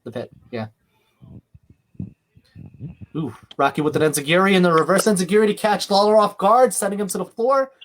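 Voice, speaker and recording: A young man from New York hosting a casual watch-along podcast, calling the action excitedly and laughing often. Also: high-pitched, a little fast, long pauses, slight background noise, low-quality recording. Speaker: podcast host.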